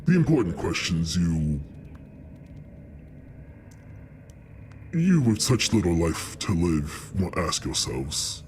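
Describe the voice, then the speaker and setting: A man's voice: deep voice, big pitch swings, a little slow, a little mellow, slight background noise. A man voicing a proud, sly young black dragon in a tabletop game, drawling with scorn for mortals as he bargains. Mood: ominous, condescending.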